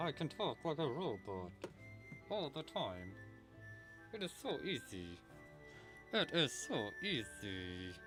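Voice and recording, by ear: A man uses a put-on character voice at a fairly slow pace with long, frequent pauses. Clear music plays in the background. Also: medium pitch for a man.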